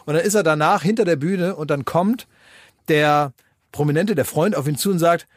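A man with a somewhat high voice, chatting as a podcast co-host and spinning long anecdotes padded with fillers. The sound is dry and close, with almost no room around it. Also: moderate pace, dry recording. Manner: rambling anecdotes with many fillers. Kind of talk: casual banter.

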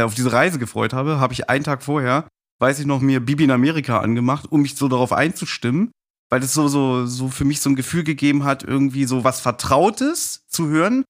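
A man of forty telling personal stories casually as a guest on a podcast. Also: medium pitch. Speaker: podcast guest, fan of audio plays.

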